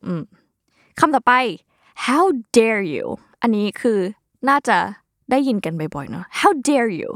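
A woman's voice: mid-range voice, big pitch swings, normal speed, dry recording, studio quality. Chatty woman teaching English slang. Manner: chatty, slangy, acts out example phrases. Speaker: English vocabulary teacher and podcast host. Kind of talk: casual vocabulary lesson.

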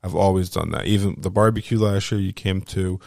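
A man's voice: low-pitched, steady tone, fairly quick, creaky, darkish tone, dry recording, studio quality. A man chatting casually on a podcast, laid-back and given to crude joking. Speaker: podcast host.

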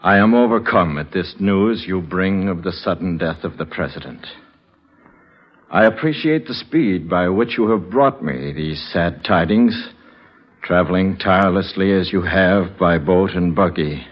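A man's voice: deep voice, animated, a little slow. A man acting a penniless, formal and grave vice president of long ago, in the style of 1940s radio drama. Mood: somber, overwhelmed. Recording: dull old radio broadcast.

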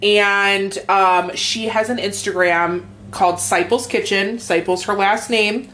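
A woman with a raspy voice co-hosting a casual podcast, swearing freely and rambling with lots of fillers. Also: medium pitch, fairly even intonation, takes it slowly, a bit bright. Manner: profane, rambling, filler-heavy. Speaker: podcast co-host. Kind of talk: casual chat.

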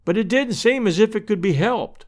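A man's voice: high-pitched, normal speed, pitched above the performer's own voice, close to an everyday voice. A man voicing a cheery, kind-hearted, talkative rural married woman from a storybook, in a folksy, fretful manner. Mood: sorrowful. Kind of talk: storybook character voice.

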